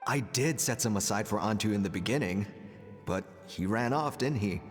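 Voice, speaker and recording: An actor playing a scheming, self-justifying tribal chief in a video game, condescending and theatrical. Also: male voice, fairly low pitch, normal speed, natural voice. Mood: defensive, cold. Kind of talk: dramatic game dialogue. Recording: long reverb, music underneath.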